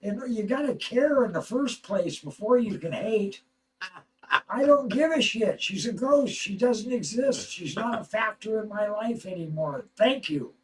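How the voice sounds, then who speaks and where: A man with a high voice co-hosting a casual livestream, speaking in a blunt, matter-of-fact way. He is heard from a distance, with faint noise in the background. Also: lively intonation, a little slow. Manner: blunt and matter-of-fact, adds short remarks and corrections.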